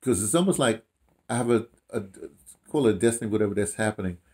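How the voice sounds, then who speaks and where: A man in his late sixties or so, chatting casually about his life as an animated storyteller who often repeats phrases and quotes himself. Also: fairly low pitch, quick pace. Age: 60s or 70s. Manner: animated storytelling with frequent repetition and self-quoting. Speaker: audio dramatist telling his life story. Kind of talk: casual reminiscing chat. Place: small room at home, indoors.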